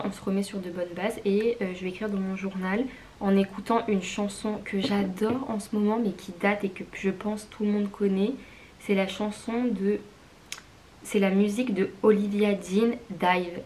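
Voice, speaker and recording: Young woman, fairly flat intonation, informal confiding vlog talk, some background noise. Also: medium pitch. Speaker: vlogger. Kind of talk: casual chat to camera.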